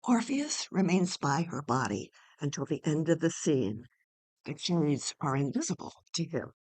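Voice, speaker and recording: A woman reading a play aloud as a deliberate, dramatic narrator, including stage directions. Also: sits low, big pitch swings, a little mellow. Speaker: playwright reading own play.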